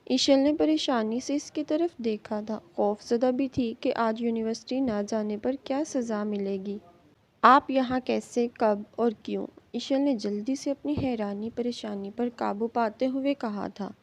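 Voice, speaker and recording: A woman's voice: on the high side, hardly any pauses, mellow. A woman reading a romance novel aloud with dramatic storytelling. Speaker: novel reader.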